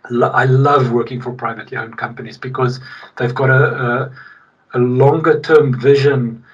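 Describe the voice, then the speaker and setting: Man, South African accent, husky, emphatic, conversational interview guest, distant mic, slightly muffled recording. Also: mid-range voice, steady tone, moderate pace. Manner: emphatic, repeats key points for weight. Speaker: podcast guest, logistics technology executive.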